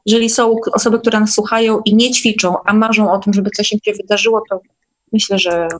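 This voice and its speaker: A woman's voice: mid-range voice, little pitch movement, fast talker. A woman chatting casually as an online guest, with an enthusiastic, emphatic way of talking. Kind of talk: casual chat.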